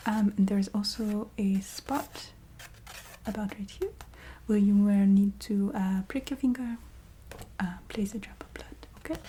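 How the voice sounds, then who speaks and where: A woman voicing a polite, businesslike vampire recruiter in an ASMR roleplay, speaking in a soft half-whisper with a put-on foreign accent and halting, apologetic formality. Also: mid-range voice, fairly even intonation, a little hiss or hum, natural voice. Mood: polite, encouraging. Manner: halting, formal, polite filler-laden explaining.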